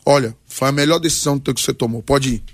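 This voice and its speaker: A Brazilian man in his forties with a gravelly, creaky voice of middling pitch, speaking as a pastor. He tells his testimony and exhorts in short, emphatic, preacherly phrases. The sound is dry, with little room around it. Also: fast, no echo. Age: 40s. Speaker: pastor, guest on a radio debate. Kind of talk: personal testimony and exhortation in a talk programme.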